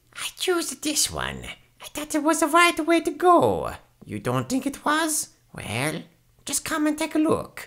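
A put-on character voice, high-pitched and at a fairly slow pace.

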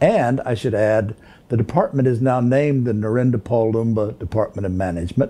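Speaking at a fairly quick pace, a man has a dark, mellow tone and ordinary pitch variation. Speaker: business school dean. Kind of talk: interviewer. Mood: warm, appreciative. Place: office. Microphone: lapel.

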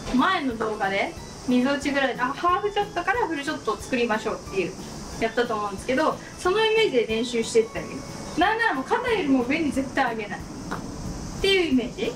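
With music in the background, a woman with a high voice talks very fast, her pitch swinging very widely. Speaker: golf instructor. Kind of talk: tutorial. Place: open country.

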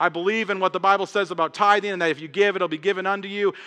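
A raised, projected voice with a bright, sharp tone talks at a very fast pace with fairly even intonation against a quiet background. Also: man. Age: 30s. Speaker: pastor. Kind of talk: sermon. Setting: church. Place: church. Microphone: headset.

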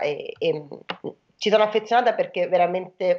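A woman speaking at a moderate pace. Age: 40s. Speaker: novelist and translator; interviewee. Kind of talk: interview. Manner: halting. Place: home room. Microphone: webcam.

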